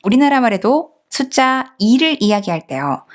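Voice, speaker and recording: A woman's voice: a little high, very animated, moderate pace. A woman teaching an online Chinese lesson, explaining patiently and often asking the listener questions.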